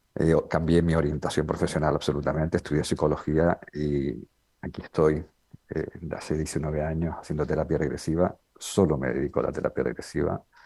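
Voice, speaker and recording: A man with a very deep, low pitch and a dark, mellow tone speaks fairly quickly, his intonation monotone and flat, with vocal fry. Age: 60s. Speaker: regression therapist and psychologist. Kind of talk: conference talk. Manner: hesitant, many fillers.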